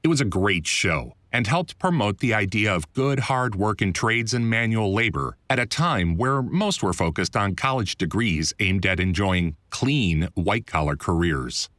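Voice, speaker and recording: A man's voice: fairly low pitch, expressive, normal speed, hardly any pauses, fairly bright tone, dry recording. A man reading his own nonfiction audiobook in a conversational, wry and articulate way, close on a studio mic. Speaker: author reading own audiobook, voiceover producer. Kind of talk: scripted audiobook narration. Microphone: close studio voiceover mic.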